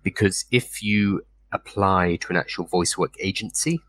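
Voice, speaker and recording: A British man from South London with a slight lisp, co-hosting a casual live stream and explaining things in a relaxed, wry way. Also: low voice, normal speed, no echo. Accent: British English, South London tinge. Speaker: co-host.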